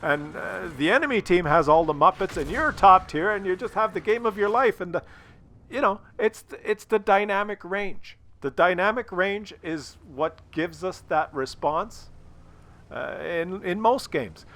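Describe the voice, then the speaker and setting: Bright-voiced man with a cold. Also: high-pitched, lively intonation, a little slow. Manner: blunt and opinionated, swears freely. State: losing his voice from a cold. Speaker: gaming video creator. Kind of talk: casual commentary to viewers.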